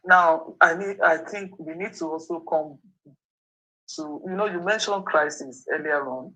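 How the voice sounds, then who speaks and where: A man asking measured, probing questions as an interviewer. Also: on the high side, pushed and bright, poor audio.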